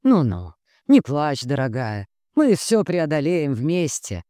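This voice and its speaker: A woman voicing a smug, hypocritical husband who talks in a smooth, placating, condescending way. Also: low-pitched, sing-song, slow pace, dark tone, no echo, clean studio sound, exaggerated voice.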